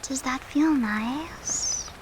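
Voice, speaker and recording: A woman playing a devoted, tender girlfriend who soothes her lover in a soft, affectionate, intimate roleplay. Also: high voice, noisy background. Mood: tender, soothing. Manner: soft, soothing, affectionate, unhurried, at times whispering. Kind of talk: intimate roleplay audio, comforting.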